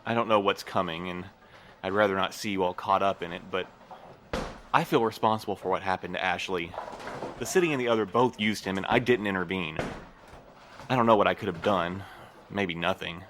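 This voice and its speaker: An actor playing a weary, guilt-burdened man in an audio drama, speaking in an earnest, halting way. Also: low voice, fairly bright tone, slight background noise. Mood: pained, regretful. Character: weary, guilt-burdened man who translates a forbidden language.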